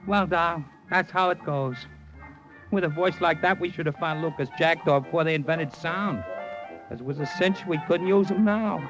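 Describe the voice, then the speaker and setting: An actor playing a brash middle-aged movie agent who narrates a 1950s radio drama. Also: male voice, a little high, moderate pace, over music, natural voice, rough recording. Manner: brash, breezy wisecracking. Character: fast-talking middle-aged male talent agent.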